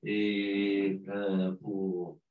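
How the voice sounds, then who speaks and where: A man talks slowly and a little low, hesitating often and repeating words. He sounds far from the mic in a roomy space, and the sound is dull. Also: little pitch movement. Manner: hesitant, halting with many repeats. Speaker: audience member at a lecture. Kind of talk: conference discussion remark.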